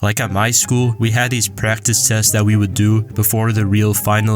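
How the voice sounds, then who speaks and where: Music plays in the background. A man speaks at a moderate pace with a fairly low pitch. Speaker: YouTuber. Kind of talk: casual commentary talk to camera. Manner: casual, slangy.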